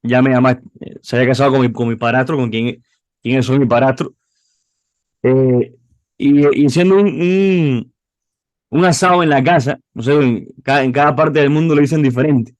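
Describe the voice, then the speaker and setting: A man's voice: medium pitch, fairly even intonation, normal speed, darkish tone, dry recording. Young Cuban man with a dry close sound. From Cuba. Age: 20s. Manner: rambling, frequent restarts and repeated words. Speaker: youth pastor. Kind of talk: personal testimony interview.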